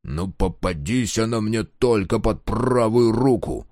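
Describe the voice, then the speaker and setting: A man voicing a gruff, hot-tempered peasant who barks out his words while hunting for his runaway wife. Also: on the low side, measured pace, a little mellow, dry recording, clean studio sound. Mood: angry. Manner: gruff, barking.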